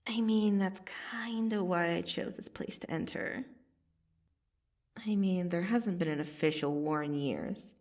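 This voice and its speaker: Casting: woman to voice female vampire assassin, ASMR audio drama. Gravelly fry, sardonic and casually threatening, slightly off-mic. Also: fairly low pitch, darkish tone, far from the mic. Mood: cool, curious. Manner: slow, casual, sardonic delivery with long pauses. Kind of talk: ASMR roleplay monologue to the listener.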